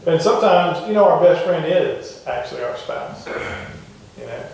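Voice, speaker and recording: A middle-aged man delivers a sermon in a chatty, questioning manner, his voice a touch higher than most men's. He is recorded from a distance at the back of a wooden church sanctuary. The room rings with heavy echo. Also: animated, moderate pace, creaky, darkish tone. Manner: conversational, asks the congregation questions. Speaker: pastor. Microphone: far camera at the back of the church. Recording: echoey church heard from far off.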